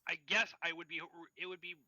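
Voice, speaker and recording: A man narrating as storyteller of a tabletop role-playing game, with halting restarts. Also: fairly high pitch, fairly even intonation, bright, forceful tone, no echo, low-quality recording.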